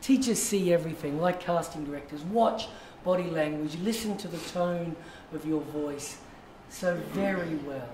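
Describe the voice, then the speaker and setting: A man coaches his acting class, encouraging and drawn-out. His voice sits a little high. He is heard from across an echoey, noisy studio. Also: a little mellow. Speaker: acting teacher. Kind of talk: guiding a class warm-up. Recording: echoey room, distant mic, noisy.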